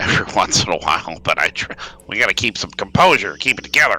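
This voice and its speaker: A man in a put-on character voice at a very fast pace. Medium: actual play. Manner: wry, steadying.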